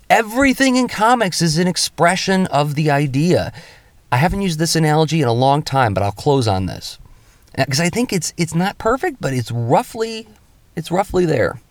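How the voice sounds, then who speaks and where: In a dry recording, a man with a fairly low pitch runs a lettering show as a comics artist. His informal tutorial unfolds as conversational thinking aloud, peppered with self-interjections and emphatic changes in voice.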